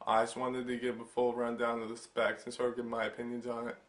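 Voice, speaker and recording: A man's voice: mid-range voice, completely flat delivery, fast, reverberant. A young man hosting a casual tech vlog, stuffy from a cold, rambling with many hesitations as he gives his opinions. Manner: rambling, filler-heavy, hesitant. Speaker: tech channel host. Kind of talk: casual product overview vlog.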